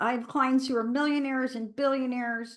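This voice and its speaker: A woman's high-pitched voice with fairly even intonation against a quiet background. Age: 60s. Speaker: medical intuitive and yoga teacher. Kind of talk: interview.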